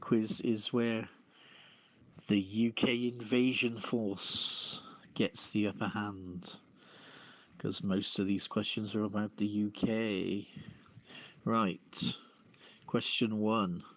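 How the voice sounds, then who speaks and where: Guy doing casual quiz host stuff, lowish voice, dull lo-fi sound. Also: little pitch movement, slow, pauses often, sharp tone, no echo. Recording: dull lo-fi dry audio.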